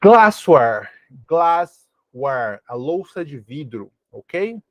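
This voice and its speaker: A man from Brazil teaches restaurant English vocabulary in a video lesson. His voice sits a little high, and he repeats each word slowly and keeps asking "ok?". The sound is close and dry, with no room around it. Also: dry recording. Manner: repeats words slowly for practice, frequent "ok?".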